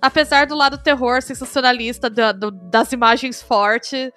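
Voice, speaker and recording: A woman's voice: a little high, steady tone, normal speed, sharp tone, faint music behind. A Brazilian woman hosting a podcast, chatting in an enthusiastic, explanatory way. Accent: Brazilian Portuguese. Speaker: podcast host. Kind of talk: casual podcast chat.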